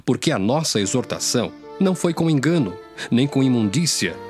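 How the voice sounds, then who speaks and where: A man's voice: mid-range voice, lively intonation, fairly quick. A man with a Brazilian accent giving a scripted, solemn and declamatory reading of scripture as an audio Bible. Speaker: scripture reader. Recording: music under the voice. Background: background music.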